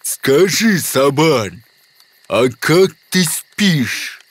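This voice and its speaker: Very slow-talking menacing forest monster. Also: male voice, on the high side, sing-song, no echo, full character voice. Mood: sly, boastful. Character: fierce, sly, man-eating male forest spirit monster. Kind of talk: animated folk-tale character acting. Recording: music behind the voice.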